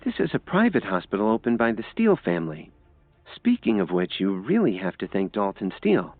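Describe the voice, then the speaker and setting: A man voicing a shy, anxious young woman in an audiobook, talking softly and hesitantly. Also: fairly low pitch, wildly swooping pitch, a little fast, dry recording, soft background music, exaggerated voice. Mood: worried. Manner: soft, hesitant and worried. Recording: dry, tinny phone-like sound.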